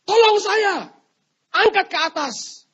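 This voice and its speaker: A preacher voicing a stubborn, angry Christian man who shouts and complains indignantly. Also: very high voice, expressive, slow pace, voice pushed up, full character voice. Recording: dull lo-fi sermon recording.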